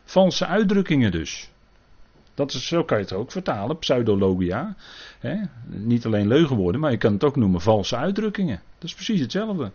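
A man's voice: mid-range voice, sing-song, moderate pace, a little mellow, breathy edge. A man teaching a Bible sermon, earnest and cautious, often checking in with his listeners. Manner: frequent tag questions, earnest and cautious. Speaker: preacher. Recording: dull lo-fi recording.

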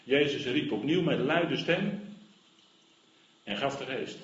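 A man's voice: medium pitch, slow pace. A man preaching a sermon in an earnest, emphatic way, repeating his key phrases. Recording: roomy, slightly dull sound with faint noise.

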